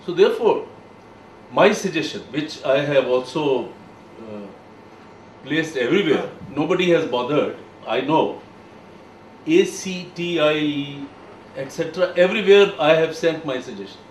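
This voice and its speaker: A man, giving firm, opinionated views in a group discussion, speaking with pauses and emphasis. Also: fairly high pitch, lively intonation, slight background noise. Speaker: panel discussant. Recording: echoey room, distant mic, faint background.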